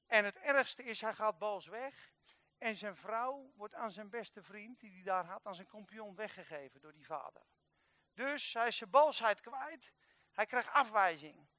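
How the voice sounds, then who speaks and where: A man preaching a sermon, telling a Bible story in a lively way and acting out the characters, with sudden jumps from quiet to loud. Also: high-pitched, measured pace, no echo.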